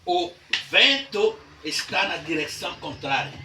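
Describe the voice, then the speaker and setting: Male pastor from Brazil, sermon delivery, lively high voice, recorded distant in a reverberant hall. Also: unhurried, slight background noise. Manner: dramatic storytelling that swings between hushed tones and shouts. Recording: echoey church heard from a distance.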